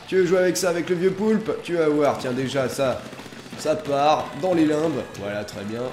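Excitable French gamer, higher voice, echoey room. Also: male voice, moderate pace, noisy background. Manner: excitable, jokey, swings between mutters and outbursts. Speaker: gaming YouTuber. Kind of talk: let's play commentary. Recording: echoey room with game music behind.

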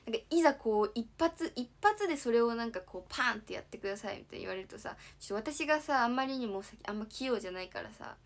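Young female idol host, lively chatty streamer, slightly high voice, keeps thanking her viewers. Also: fast talker, hardly any pauses. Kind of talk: casual livestream chat.

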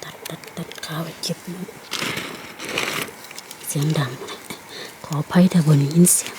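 A woman with an Isan accent vlogging in a forest, exclaiming excitedly and calling out to her viewers as she goes. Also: low-pitched, unhurried, background noise. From Northeast Thailand. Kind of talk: casual foraging vlog. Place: forest outdoors.

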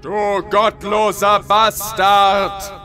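A thundering wrathful god. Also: male voice, monotone, pushed and bright, soft background music, heavily acted. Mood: furious. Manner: booming, slow and drawn out. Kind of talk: audio drama narration.

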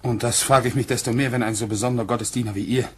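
An actor playing a plain-spoken, guarded Puritan farmer in a German radio play, blunt and measured, at times hesitant. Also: male voice, medium pitch, steady tone, slightly rough, close to an everyday voice.

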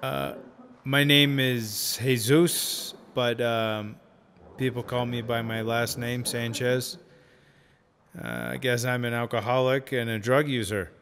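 An actor playing a rambling young addict in a radio drama, telling stories in a hesitant, slangy, casual way. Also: male voice, medium pitch, fairly even intonation, slow pace, fairly bright tone, in a large hall, a little hiss or hum. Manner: informal, hesitant, slangy storytelling. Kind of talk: radio drama acting, conversational monologue.

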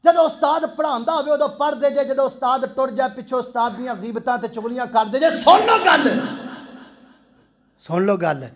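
A man's voice: extremely high pitch, steady tone, fast talker, hardly any pauses, reverberant, voice pushed up. A man playing a stern wise old teacher.

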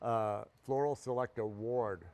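A middle-aged man giving a live product demonstration and sales pitch as a guest expert on home shopping television. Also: steady tone, unhurried, a little mellow, slight background noise. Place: TV studio kitchen set.

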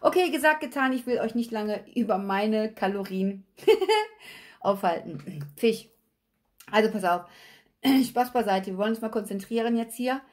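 Woman, slightly hoarse, fairly high voice, chatty tarot reader at a table. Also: expressive, a little slow, pauses often. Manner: chatty, repeats okay? and addresses viewers directly. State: slightly hoarse, recovering from illness. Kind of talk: tarot reading video. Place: at a table with cards and a candle, indoors.

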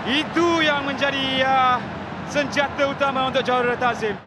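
A man calling a football match, excitable and dramatic, building to shouts at big chances. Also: very high voice, normal speed. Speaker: play-by-play commentator. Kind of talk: football commentary. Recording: broadcast with loud stadium crowd. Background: loud crowd noise.

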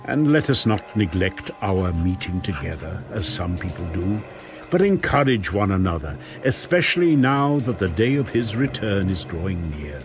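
A man's voice: low-pitched, sing-song, moderate pace, music in the background. A man narrating dramatized scripture with earnest, emphatic, dramatic phrasing.

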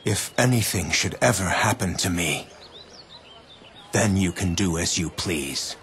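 An ambitious warlord in a game cutscene, his voice low and unhurried. He speaks in a cool, deliberate way over faint outdoor ambience. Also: animated, a bit bright, slight background noise, exaggerated voice. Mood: scheming. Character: ambitious male warlord, calm and scheming.

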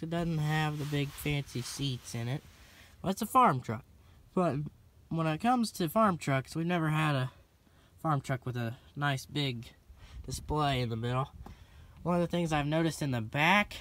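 A young man in casual vlog talk, filming himself on a phone at arm's length in a pickup cab, relaxed and rambling with lots of ums and restarts. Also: medium pitch, a little hiss or hum. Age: young adult. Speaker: farm vlogger. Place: inside a pickup truck cab and outdoors around it. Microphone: phone held at arm's length.

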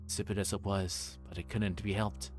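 A man livestreaming a visual novel, reading it aloud in a casual, halting way that stumbles over words. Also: low voice, level tone, a little mellow, faint music behind. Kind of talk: casual narrated read-aloud.

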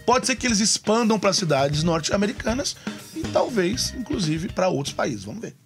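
A man's voice: sits high, very animated, normal speed, gravelly, music in the background. A man in his late thirties co-hosting a casual tech podcast at a studio desk, chatty and prone to repeating himself. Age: 30s. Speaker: podcast co-host. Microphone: desk microphone on a stand.

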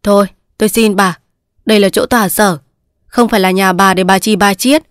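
A woman's voice: mid-range voice, fairly even intonation, brisk, no echo, clean studio sound, natural voice. A woman reading as a cold, proud young official. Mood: curt. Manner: curt, dismissive.

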